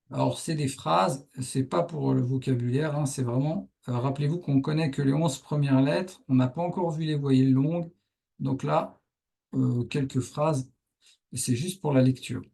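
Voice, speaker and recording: In a slightly high, gravelly, somewhat mellow voice, a man unhurriedly teaches the Arabic alphabet in French. He explains patiently and thinks aloud as he writes out examples.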